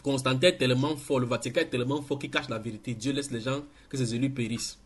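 A man, teaching in church with emphatic, halting delivery full of restarts. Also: mid-range voice, steady tone, slightly rough. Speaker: preacher.

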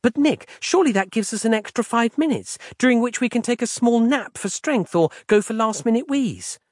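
A man's voice: extremely high pitch, lively intonation, moderate pace, no room sound, studio quality, pitched above the performer's own voice. A man voicing a fussy, overly polite young woman who chatters pedantically, as an audiobook character. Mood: chatty. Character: prim, fussy young woman on a walkie-talkie.

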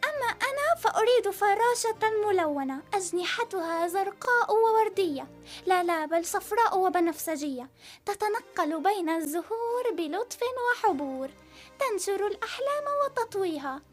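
A woman's voice: extremely high pitch, lively intonation, moderate pace, faint music behind. A woman voicing young daughters in a radio story, with a childlike, pleading, playful way of talking. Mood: eager. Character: young daughters, eager, dreamy girls.

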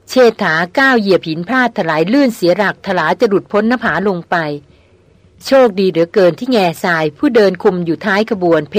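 A woman narrating a novel in a steady storytelling voice, voicing the characters' lines plainly. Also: medium pitch, no echo. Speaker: audiobook narrator.

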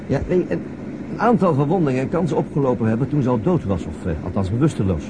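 An actor playing a methodical, thoughtful police detective in a naturalistic radio drama, speaking in measured, hesitant replies. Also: male voice, mid-range voice, expressive, noisy background, lightly acted. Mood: matter-of-fact.

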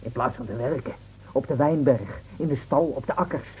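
A man's voice: mid-range voice, moderate pace, darkish tone, slightly rough. An actor playing a scornful, officious city-bred policeman in a Dutch radio drama, lecturing and brusque. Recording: muffled old radio recording.

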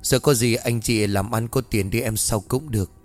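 A man's voice: mid-range voice, moderate pace, soft background music, natural voice. A man doing a reassuring village woman friend. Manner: reassuring, hesitant. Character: helpful village woman friend, hushed and calming.

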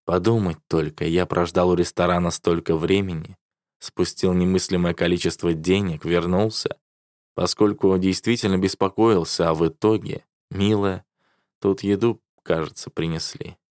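A man's voice: low voice, fairly even intonation, normal speed, a little mellow, no room sound, studio quality. A man reading a novel aloud in the first person, with a wry, sardonic manner. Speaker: audiobook narrator.

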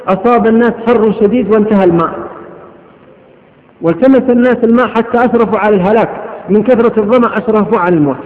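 A man preaching a sermon, fervent and rapid, reciting verse and quotations. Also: high-pitched. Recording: echoey hall, tinny lo-fi recording.

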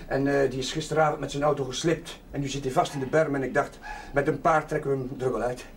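A man's voice: mid-range voice, fairly even intonation, quick pace, slight background noise, natural voice. A man playing an amiable, slightly timid village Catholic chaplain in a television drama, chatty and hesitant. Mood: hesitant, polite. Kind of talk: 1970s television drama acting.

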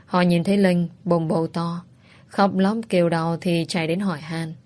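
A woman reading a drama story aloud in a steady, even narration. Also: lowish voice, normal speed.

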